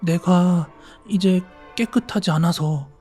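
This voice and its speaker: A man's voice: sits high, fairly even intonation, unhurried, a little mellow, faint music behind. A man voicing a sad little ghost girl of about eight, speaking in a tearful, trembling voice.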